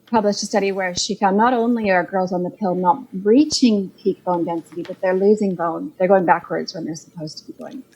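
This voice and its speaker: A woman's voice: mid-range voice, fairly even intonation, fairly quick, hardly any pauses, darkish tone, a little hiss or hum, rough recording. Earnest Canadian woman explaining research. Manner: earnest, explanatory, building detailed points. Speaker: guest, clinician and author. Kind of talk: podcast interview over a call.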